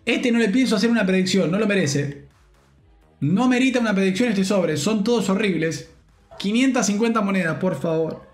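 A man's voice: high-pitched, normal speed, roomy sound, faint music behind. Rioplatense guy hyped opening game packs. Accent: Rioplatense Spanish. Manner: animated, slangy, jokey, shouts with joy. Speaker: gaming streamer. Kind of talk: excited pack-opening commentary.

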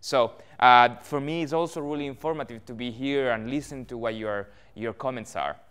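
A man's voice: mid-range voice, normal speed, a bit bright, clean tone. A man in his thirties with a Chilean accent, giving a talk to a room of farmers, friendly and full of fillers. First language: Spanish. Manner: friendly, many fillers, gestures with hands. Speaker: guest speaker, almond research manager. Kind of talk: presentation to growers. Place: meeting hall with audience. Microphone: far camera, no mic seen.

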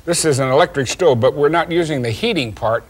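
Explaining an experiment step by step to a child, an older man hosts a science show from a studio kitchen set, patient and lightly teasing. His voice is a little high and his pace brisk.

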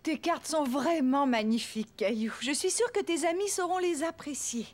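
A woman's voice: high-pitched, lively intonation, moderate pace. A woman voicing a kind, encouraging young mother in a children's cartoon, speaking affectionately. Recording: music behind.

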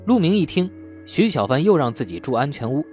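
A man's voice: on the high side, big pitch swings, a little fast, a little mellow, faint music behind. A man reading scripted novel narration as an audiobook narrator.

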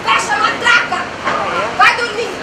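A woman's voice: very high voice, steady tone, unhurried, heavily acted. A woman performing as a tramp in an absurdist play, acting outdoors in a busy street. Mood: bickering. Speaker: street theatre actor. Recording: loud street crowd and traffic.

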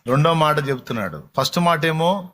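A man's voice: fairly high pitch, expressive, a little fast, fairly bright tone, slight background noise. A male pastor preaching an impassioned sermon, asking his congregation questions.

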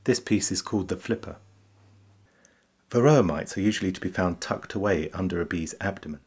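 Deep husky male documentary narrator. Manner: calm, measured explanatory delivery. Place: voice-over, not recorded in the pictured hive.

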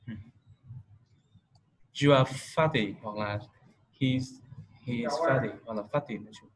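A man tutors one-on-one in a relaxed, unhurried way. His voice sits at an ordinary middle pitch and he leans on soft fillers while he explains. A faint hiss of background noise runs under the recording. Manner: patient, explains slowly with many fillers. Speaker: English tutor. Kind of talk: casual vocabulary lesson.

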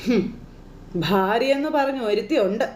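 A sharp-tongued old grandmother scolds her family in a high, drawn-out voice, as a woman storyteller puts her on. She sounds reproachful and tearful, heard in a roomy, echoing space. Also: close to an everyday voice. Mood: scornful. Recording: roomy echo.

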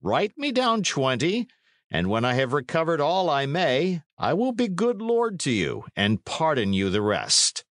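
Man acting a menacing, slow-spoken knight. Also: mid-range voice, big pitch swings, a bit bright, no room sound. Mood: cool, mocking. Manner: dry, commanding, archaic speech. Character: menacing, coldly mocking middle-aged knight and lord.

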